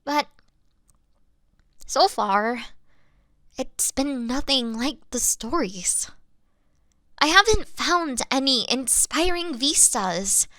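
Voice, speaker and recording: A woman playing an obsessive, lovestruck elf kidnapper in a fantasy audio roleplay, with a coy, theatrical delivery that dips into hushed tones. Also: high-pitched, dry recording, full character voice. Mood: wistful, conceited.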